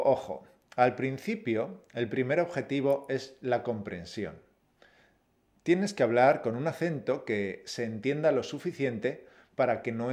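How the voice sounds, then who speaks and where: A man co-hosting a Spanish-learning podcast, explaining steps in a steady, encouraging way. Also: medium pitch. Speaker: Spanish teacher, podcast co-host. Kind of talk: scripted lesson.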